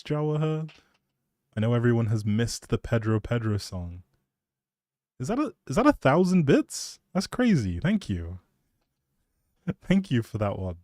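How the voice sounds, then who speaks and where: A man's voice: medium pitch, a little mellow, no room sound, studio quality. A man live streaming, chatting casually in an appreciative, rambling way and thinking aloud as he goes.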